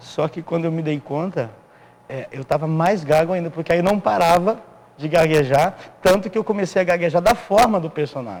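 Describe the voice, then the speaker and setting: Speaking at a moderate pace, a man uses a high pitch with ordinary variation. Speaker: guest who stutters, church youth worker. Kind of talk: tv interview. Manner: halting, repeats words.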